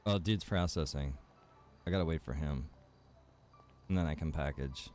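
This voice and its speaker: A man's voice: extremely low pitch, normal speed, a little mellow, faint music behind. A man streaming a game, chatting casually with viewers, rambling and joking as he plays. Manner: rambling and joking, chats to viewers and reacts while playing.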